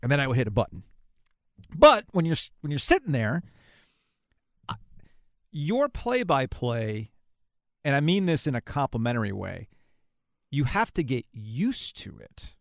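A man in his forties speaks as a podcast host in a conversational interview. His voice sits at a medium pitch and he tells stories as he leads into questions. The recording is dry, with hardly any room sound. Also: big pitch swings, measured pace, creaky, pauses often, no room sound. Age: 40s.

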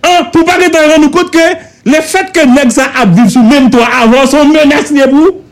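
A man with a Haitian accent and an extremely high voice gives impassioned political commentary in a radio studio at normal speed. He is emphatic and repetitive, pressing his points with rhetorical questions.

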